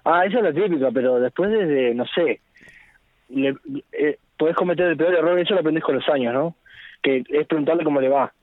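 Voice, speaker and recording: A man's voice: fairly high pitch, a little fast. A man calling in to a radio show over a patchy, choppy phone connection, telling wry anecdotes about his job in a casual, chatty way. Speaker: radio caller, bank teller. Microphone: telephone. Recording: dull lo-fi phone line, dry.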